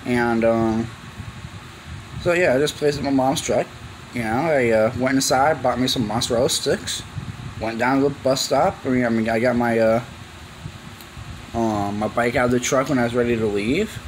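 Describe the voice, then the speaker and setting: A young male vlogger tells a story to camera in a cluttered indoor garage, rambling casually in slang and acting out the exchanges he quotes. His voice is medium-pitched at normal speed, and he pauses often. The recording is low quality with a little hiss or hum.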